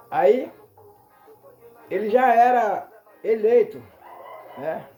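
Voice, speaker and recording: Lively intonation comes through over music in the background. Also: man. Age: 80s+. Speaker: elderly storyteller. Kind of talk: casual storytelling monologue. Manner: halting, repeats words.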